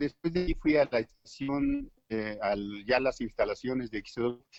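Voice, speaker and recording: Speaking at a fairly slow pace, a man with a Mexican accent talks at medium pitch. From Mexico. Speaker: voice actor. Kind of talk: interview.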